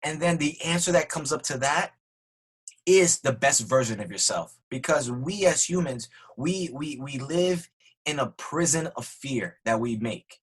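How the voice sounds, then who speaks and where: Male podcast guest, husky and slightly high-pitched, earnest and lively. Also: measured pace. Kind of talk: conversational interview.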